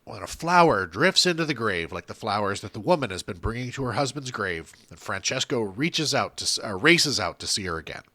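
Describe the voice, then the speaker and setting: Lively, bright-voiced male podcast host. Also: on the low side, a little fast, few pauses, no echo. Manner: recaps plot in a running summary with jokey asides. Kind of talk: casual chat recapping a film.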